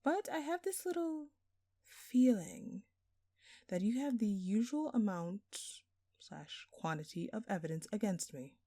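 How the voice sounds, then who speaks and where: A woman's voice: mid-range voice, expressive, unhurried, dark tone, no echo, studio quality. A woman playing a smug, flirtatious jewel thief who taunts a detective with teasing, sarcastic, theatrical phrasing in an audio roleplay. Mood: gleeful, taunting. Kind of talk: scripted audio roleplay addressed to the listener.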